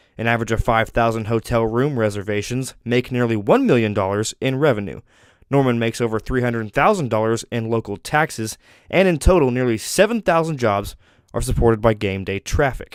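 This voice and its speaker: A man with an ordinary speaking voice and an American accent, at a medium pitch, fairly quick pace, and ordinary pitch variation. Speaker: college student news anchor and reporter. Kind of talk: TV news anchor reel.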